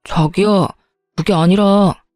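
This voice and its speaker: A woman's voice: mid-range voice, steady tone, slow pace, no room sound, soft background music, natural voice. A woman voicing a hot-tempered young husband arguing with his parents in a narrated story. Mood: sheepish. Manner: pleading then loud, insistent.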